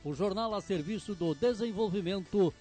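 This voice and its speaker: A man reading radio ads in an upbeat, smooth sales voice. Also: high-pitched, normal speed, over loud music. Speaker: radio ad announcer. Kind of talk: scripted radio ad read.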